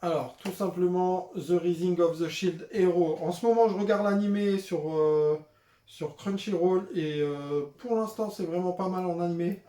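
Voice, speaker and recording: A man's voice: sits high, normal speed, warm tone. A young man chatting casually as a vlogger, filling his talk with frequent hesitations. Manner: chatty, with frequent "euh" and "voilà" fillers. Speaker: manga vlogger showing his purchases. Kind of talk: casual unscripted vlog chat. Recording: roomy echoey room.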